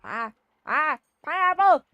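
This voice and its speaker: A woman streaming a game and reading its dialogue aloud, slipping playfully into goofy high voices for the characters. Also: expressive, slow, bright, forceful tone, no echo, studio quality. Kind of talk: casual let's-play with read-aloud character voices.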